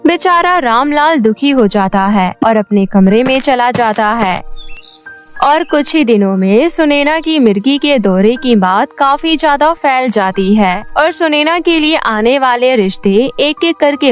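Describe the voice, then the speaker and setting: High-voiced woman story narrator. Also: lively intonation, a little slow, faint music behind. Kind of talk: scripted bedtime story narration.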